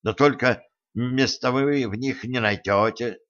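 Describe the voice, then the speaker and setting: A nervous male storyteller who grumbles and frets, as a man reads him aloud. His voice sits at a middle pitch. The audiobook recording is slightly muffled. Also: a little slow, fairly bright tone, close to an everyday voice. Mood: fretful. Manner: fretful, grumbling.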